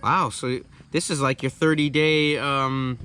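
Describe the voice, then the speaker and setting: A man's voice: mid-range voice, steady tone, unhurried, bright, forceful tone. A man in his thirties hosting a casual vlog-style chat. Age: 30s. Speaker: host. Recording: faint background noise.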